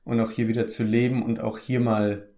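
A man's voice: medium pitch, little pitch movement, a little fast, warm tone. A young man, an actor from the Palatinate in Germany, chatting casually in an interview, easygoing and full of hesitant fillers and restarts.

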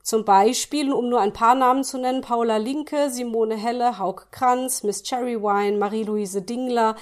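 A woman hosts a podcast interview in an upbeat, friendly way. Her voice sits a little high for a woman. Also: steady tone, moderate pace. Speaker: podcast host.

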